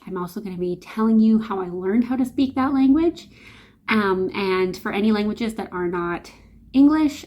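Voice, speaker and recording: A woman's voice: mid-range voice, mellow. A woman with a Canadian accent talking to camera in a casual, chatty, informal vlog style. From Canada, immigrated from Slovakia at five. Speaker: vlogger, host.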